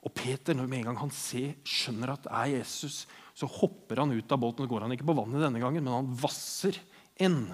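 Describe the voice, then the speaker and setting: A man preaching a sermon, retelling the story earnestly and voicing the people in it as he goes. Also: mid-range voice.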